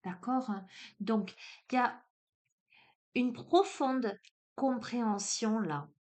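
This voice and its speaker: A woman's voice: a little high, slow, darkish tone. A woman with a southern French accent, giving a spiritual card reading. She talks hesitantly with many fillers, then turns emphatic. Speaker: oracle card reader.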